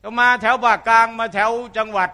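Man, preacher, humorous sermon, high voice, bright tone. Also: brisk. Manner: lively, humorous, mimics regional dialects. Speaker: Islamic preacher.

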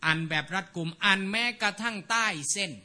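A male teacher giving a casual, animated lecture to students, often stopping to ask whether they follow him. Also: high-pitched, brisk. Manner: animated, keeps asking rhetorical checks; mimics accents while explaining.

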